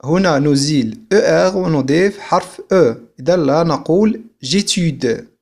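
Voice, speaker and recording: A man from Algeria teaching a video French lesson, saying each example slowly and repeating it before explaining it in Arabic. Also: on the high side, vocal fry, a little mellow.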